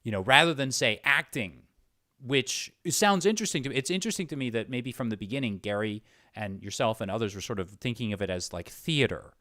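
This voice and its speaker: A man's voice: medium pitch, animated, a little fast, bright, forceful tone, no echo, studio quality. A man interviewing in a casual, reflective way, thinking aloud as he goes. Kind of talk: casual thoughtful conversation.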